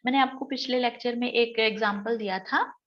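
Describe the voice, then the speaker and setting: A woman's voice: a little high, steady tone, muffled recording. A woman teacher with an Indian English accent, giving an exam-prep lecture and explaining step by step. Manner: explains step by step, reads sentences out slowly.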